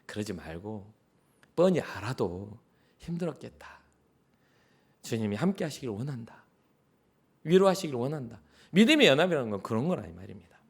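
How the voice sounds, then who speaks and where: A middle-aged pastor gives a lively, conversational sermon. His pitch swings widely as he acts out quotes. At times he drops to near-whispers. He speaks at a mid pitch for a man. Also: normal speed, creaky, pauses often, slightly rough. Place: church sanctuary.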